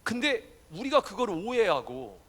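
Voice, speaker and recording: Man, pastor, casual sermon, animated, quizzes the congregation, high voice, long hall reverb. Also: moderate pace. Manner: animated, playful, asks the congregation questions. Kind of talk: conversational sermon to young adults. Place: church hall.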